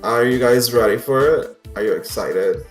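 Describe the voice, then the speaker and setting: A man's voice: medium pitch, normal speed. A man narrating a tabletop game casually as game master, in a playful, jokey manner. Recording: roomy echo, music behind.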